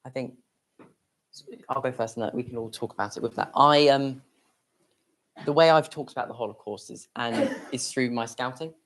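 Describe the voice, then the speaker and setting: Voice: medium pitch, normal speed. A young adult speaking plainly and explaining things in a public talk with audience questions. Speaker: speaker at a commemorative event.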